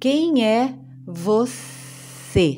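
A woman's put-on, hissing character voice, fairly low-pitched, with very wide pitch swings

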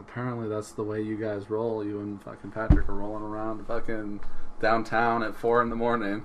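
Over noticeable background noise, a man with a fairly low pitch speaks fairly quickly in a flat monotone, his loudness swinging widely. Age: 30s. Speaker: podcast host and filmmaker. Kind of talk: casual chat.

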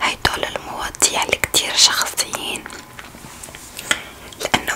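At a very slow pace, a woman whispers her words. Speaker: ASMR creator. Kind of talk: ASMR whispered chat. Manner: soft whisper. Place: home room. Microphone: studio mic.

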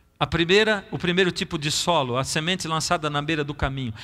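Against a quiet background, a man speaks in a high pitch with an animated tone that is bright and sharp. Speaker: preacher. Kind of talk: sermon. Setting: church. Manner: animated, conversational; rhetorical questions, audience-engaging. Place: church. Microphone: headset.

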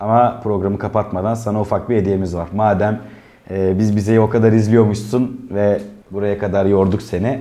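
Fairly low in pitch, a man speaks at a moderate pace. His intonation stays fairly even. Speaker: interviewer. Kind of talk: casual interview. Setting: studio. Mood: friendly, wrapping up. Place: studio.

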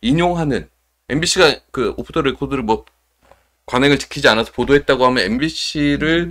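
Against a quiet background, someone talks at a moderate pace. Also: man, ordinary pitch variation. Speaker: broadcast journalist and union leader; broadcast journalist. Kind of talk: interview. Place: studio. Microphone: studio mic.

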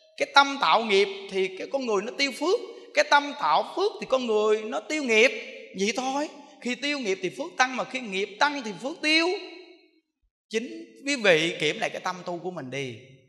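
Using a raised, projected voice, a man speaks with very wide pitch swings and long, frequent pauses. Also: moderate pace, quiet background. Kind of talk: sermon. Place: hall. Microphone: handheld.

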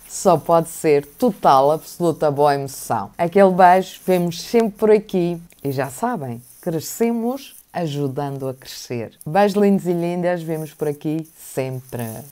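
Fairly slow and with lively intonation, a woman with a European Portuguese accent speaks in a fairly low voice with a dark, mellow tone. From Portugal. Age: 50s. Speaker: YouTuber. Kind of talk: casual vlog talk. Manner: animated. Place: home room. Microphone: earbuds.

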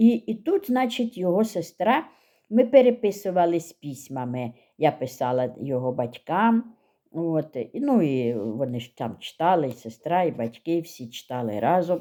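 A woman's dark, mellow tone with very wide pitch swings and big swings in loudness. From Ukraine, Zaporizhzhia. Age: 60s. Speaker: video blogger. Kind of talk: casual chat to camera. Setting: at home in living room.

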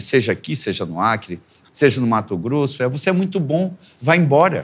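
With vocal fry and a fairly high pitch, a man speaks at a moderate pace while his pitch swings very widely. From Espírito Santo, Brazil (Vitória); Espírito Santo, Brazil. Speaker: theatre actor. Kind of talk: TV talk show interview. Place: studio. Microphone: lapel.

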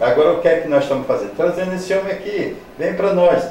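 A man is speaking over light background noise. Audible room echo surrounds his voice. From Brazil, Ceará (Tauá). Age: 70s. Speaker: TV show host. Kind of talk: promotional presentation. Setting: studio. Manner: animated. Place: studio.

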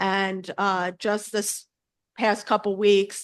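Against a quiet background, a woman with an American accent speaks at medium pitch in a very slow, monotone, flat delivery. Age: 60s. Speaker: resident speaking at public comment. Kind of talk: public comment at city meeting. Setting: council chamber meeting.

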